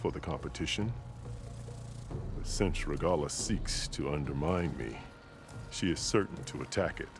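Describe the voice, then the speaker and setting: An actor playing a stern, proud tribal chief in a video game, speaking formally and deliberately with weighty declarations. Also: male voice, a bass voice. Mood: commanding. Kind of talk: dramatic video game cutscene acting. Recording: dramatic music behind the voice.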